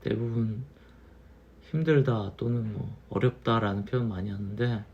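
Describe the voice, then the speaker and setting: A man in his thirties, a little tipsy from wine, musing slowly in a casual monologue and repeating his phrases. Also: lowish voice, vocal fry, darkish tone, breathy edge, lo-fi sound. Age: 30s. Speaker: channel host.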